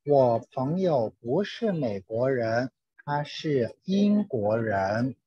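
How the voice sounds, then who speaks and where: A man recites language-drill sentences extremely slowly and carefully, as a student would. His voice is husky, and it comes through an online call with a dull, muffled sound. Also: medium pitch, very animated, warm tone, no room sound.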